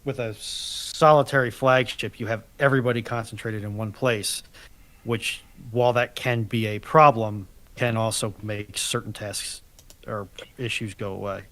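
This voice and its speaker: A man in a casual panel discussion, explaining his points in a measured way with some hesitant restarts. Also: on the low side, steady tone, fairly bright tone. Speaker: livestream panelist.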